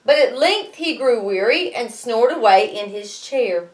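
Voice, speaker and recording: A woman reads a storybook in a fairly high, very lively voice. She teaches as she goes, slipping in wry little asides to explain things. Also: unhurried, rough recording. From United States. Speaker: schoolteacher reading aloud to students. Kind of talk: expressive storybook reading with asides.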